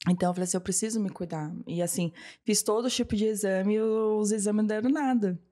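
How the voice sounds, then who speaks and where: A woman in her thirties speaks in a casual interview, her voice mellow and warm. She is a massage therapist who tells her story with many retold exchanges, acting out the voices. Her pitch sits in the middle. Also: fairly even intonation, quick pace. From Brazil. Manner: storytelling, often acting out what she and others said.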